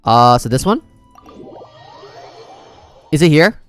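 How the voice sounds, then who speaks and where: A man's voice: a little high, sing-song, slow pace, a bit bright, soft background music. A man livestreaming a video game, chatting casually with viewers and rambling as he thinks aloud.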